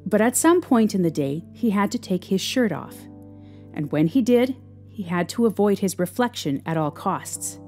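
A woman narrating a scripted audio drama in a measured, expressive, somber manner. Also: medium pitch. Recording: music under the voice. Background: instrumental music.

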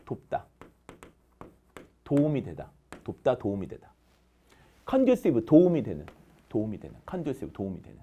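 Guy teacher drilling vocab, voice jumps all over, kinda mellow tone, call-and-response counting. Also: medium pitch, wildly swooping pitch, moderate pace, pauses often, husky. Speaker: English teacher. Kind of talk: lively vocabulary lecture.

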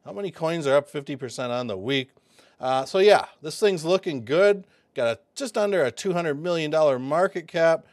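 Excitable man hosting crypto commentary. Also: a little high, normal speed, dry recording, studio quality. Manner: excitable, talks to viewers as folks, many fillers. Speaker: crypto video host. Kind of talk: casual commentary.

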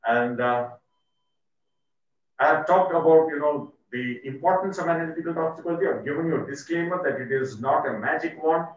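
A man with an Indian accent gives a formal, measured medical lecture, his voice muffled by the face mask he is speaking through. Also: a little high, slight background noise. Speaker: toxicology lecturer, poison centre doctor. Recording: muffled, very echoey, distant microphone.

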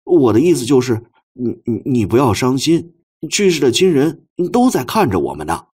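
一名男播讲者在有声小说里扮演一个腼腆笨拙、真诚而怀着哀思的年轻男人，说话磕磕绊绊。. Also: male voice, mid-range voice, big pitch swings, darkish tone, slightly rough, voice pushed up. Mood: flustered consoling. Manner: halting, stammering, awkward. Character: shy, clumsy, earnest young man, tenderly grieving. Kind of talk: audiobook character dialogue.

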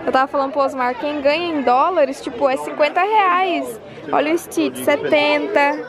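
A young woman with a Brazilian accent, chatting casually and excitably to a handheld vlog camera. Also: high voice, moderate pace, creaky. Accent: Brazilian Portuguese. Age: young adult. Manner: excitable, colloquial. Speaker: vlogger. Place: busy theme park, indoors and out. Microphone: handheld camera at arm's length. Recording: loud music and busy crowd behind.

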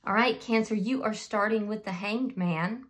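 A slightly hoarse woman giving a casual, unscripted tarot reading and speaking directly to the listener as the channel's host. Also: mid-range voice, normal speed, a bit bright.

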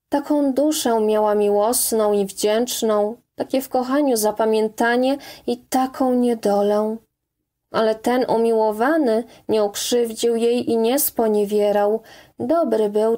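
Female audiobook narrator, unhurried, higher register. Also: dark tone. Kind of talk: scripted narration.

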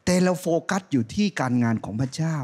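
A middle-aged man preaching a sermon on a church stage into a handheld mic, animated, swinging from loud rising calls to soft low asides. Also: fast talker, slightly rough. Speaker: pastor.

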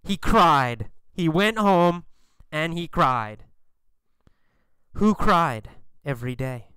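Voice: medium pitch, lively intonation, takes it slowly, bright, forceful tone, smooth, dry recording, studio quality. A teacher telling a story as a question-and-answer lesson, drilling each point with repeated questions and emphatic answers. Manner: emphatic, exaggerated delivery. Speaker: English teacher.

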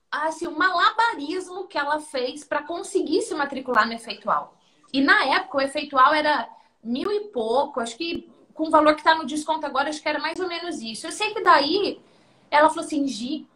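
Woman from Brazil, slightly high voice, animated storytelling, live stream host. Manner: animated storytelling, acts out quotes. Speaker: host and coaching instructor.

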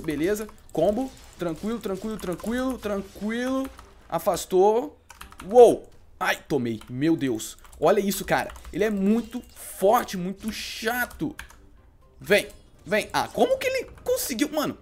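A young man with a Brazilian Portuguese accent giving live gameplay commentary, excitable and frantic, repeating words. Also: high voice. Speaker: gaming YouTuber.

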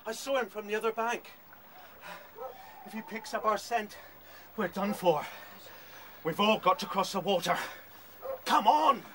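A man's voice: sits high, measured pace, long pauses, background noise. A man acting in a radio play as a bold rabbit scout giving urgent, blunt warnings. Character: Bigwig, an alarmed, bold male rabbit scout.

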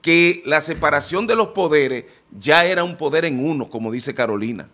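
A man in a TV studio panel, talking into a desk microphone, pressing his point with forceful questions. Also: on the high side, animated, moderate pace. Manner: emphatic, rising to forceful questions. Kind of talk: heated political panel debate.

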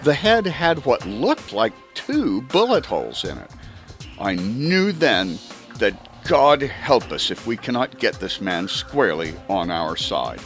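A man narrates a spy audiobook with theatrical emphasis. His fairly low voice swings widely in pitch, and faint music plays behind him. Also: a bit bright. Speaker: audiobook reader. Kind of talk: dramatic first-person spy story narration.

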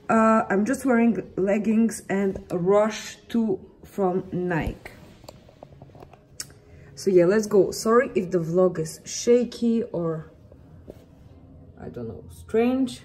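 A woman's voice: mid-range voice, takes it slowly, long pauses, warm tone, low-quality recording. A young woman with a Russian accent chatting candidly and playfully in a casual vlog, filming on a phone held at arm's length while walking outdoors. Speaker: vlogger. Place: home, gym, then outdoors on a city street.

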